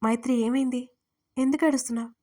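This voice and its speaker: A woman voicing an anxious, gentle man in his thirties in an audio story, speaking in a worried, pleading way that turns firm. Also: sits high, steady tone, quick pace, close to an everyday voice. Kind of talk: audiobook character reading.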